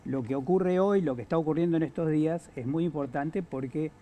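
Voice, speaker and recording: A man with an Argentine accent, giving analysis on a political talk show, halting with many fillers and restarts. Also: fairly high pitch, dark tone. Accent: Argentine Spanish. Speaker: guest analyst.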